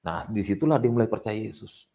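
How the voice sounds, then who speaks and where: A middle-aged man, an evangelist guest, telling his testimony in an animated way and rising to loud prayer. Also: on the low side, fast, creaky. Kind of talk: testimony interview.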